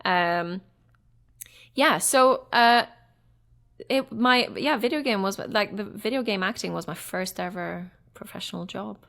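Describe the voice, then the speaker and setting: A woman's voice: mid-range voice, a little slow, vocal fry, a bit bright. A woman in her thirties from Norway, an actress chatting as an interview guest, reflective and full of fillers and restarts. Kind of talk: casual interview chat.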